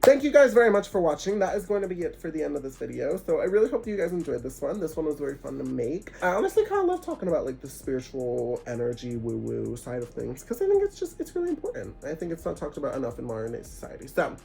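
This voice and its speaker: A congested young man giving animated, preachy spiritual advice in a casual vlog, with sarcastic asides. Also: fairly high pitch, quick pace, gravelly, hardly any pauses, slightly rough, soft background music. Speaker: vlogger.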